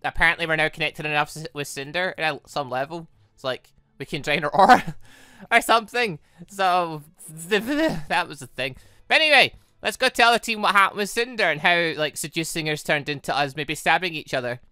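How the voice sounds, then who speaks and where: A gaming host giving casual, rambling, excitable commentary over a playthrough, chatting informally. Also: medium pitch, moderate pace, clear, resonant tone, no echo, clean studio sound. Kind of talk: casual playthrough commentary, reading dialogue aloud.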